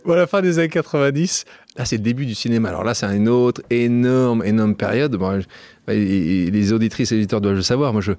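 Low-voiced man hosting a studio interview. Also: fast talker, a little mellow, no room sound. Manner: familiar, teasing, prompting. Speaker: radio interviewer, host. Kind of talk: casual interview chat.

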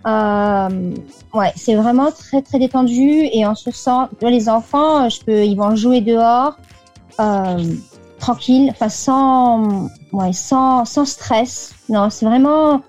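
A woman's voice: fairly high pitch, slow pace, darkish tone, soft background music. A French woman in her thirties chatting as an interview guest, with lots of fillers and restarts. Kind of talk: casual radio interview over a call.

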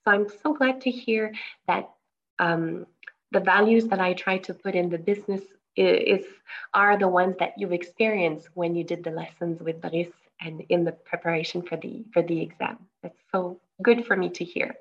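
A woman's voice: fairly low pitch, fairly even intonation, normal speed. Woman interviewing, muffled sound. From Montreal, Canada. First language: French. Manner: warm, affirming questions. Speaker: language school founder and interviewer. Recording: muffled lo-fi audio.

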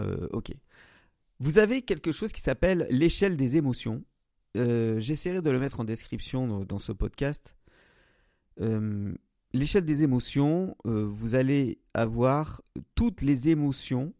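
A man's voice: medium pitch, mellow, no echo, clean studio sound. A man hosting a solo podcast, talking straight to the listener with many hesitations and restarts. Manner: addresses listener directly. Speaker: podcast host. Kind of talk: solo podcast monologue on emotions.

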